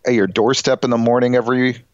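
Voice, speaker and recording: A man's voice: medium pitch, level tone, fast talker, no echo, muffled recording. A man with a Chicago accent and a nasal voice, co-hosting a podcast in casual, joking chat. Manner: joking, laughs often. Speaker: podcast co-host.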